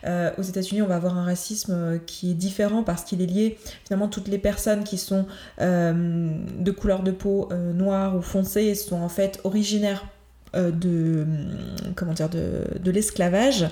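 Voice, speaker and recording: Woman podcast host, soft mellow tone, kinda echoey room, hesitant and earnest. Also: on the low side, fairly even intonation, normal speed. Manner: earnest, hesitant, many fillers and restarts. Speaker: podcast host, certified coach. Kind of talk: solo podcast talk.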